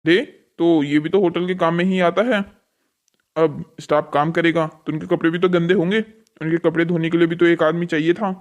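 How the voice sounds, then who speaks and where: A stern hotel boss from a cartoon moral story acted by a man. His male voice sits a little high, and he gives orders in a bossy, commanding way. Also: flat delivery, moderate pace, lightly acted. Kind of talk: scripted cartoon story dialogue.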